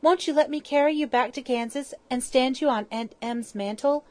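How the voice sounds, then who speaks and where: A woman doing a high, polite young girl. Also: normal speed, darkish tone, close to an everyday voice. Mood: earnest, polite. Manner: earnest and polite.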